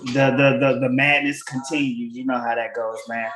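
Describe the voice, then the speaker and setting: A man's voice: medium pitch, steady tone, normal speed, a crowd in the background. Laid-back male host in an echoey room. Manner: laid-back, stammers and repeats words. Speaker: podcast host. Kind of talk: casual livestream chat. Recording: echoey room with faint clicks.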